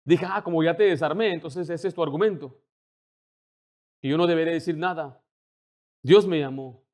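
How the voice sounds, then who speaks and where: High-voiced man preaching a sermon. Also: normal speed, darkish tone. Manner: preaching with rising intensity, acting out quoted dialogue. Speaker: pastor.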